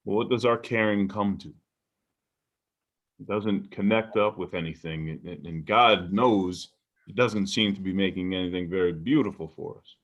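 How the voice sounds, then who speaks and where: A man acts a disillusioned editor who mocks his own ideals in a stage play. The voice is fairly low, wry and weary. The sound is slightly dull, as from a video call. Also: steady tone, moderate pace, fairly bright tone. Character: disillusioned, self-mocking male editor of small paper.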